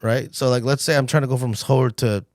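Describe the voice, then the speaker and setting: A man with a mid-pitched voice hosts a casual podcast chat, animated when telling a story. The recording is dry and close, with no room echo. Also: a little fast. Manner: animated storytelling, frequent ums. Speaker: podcast host.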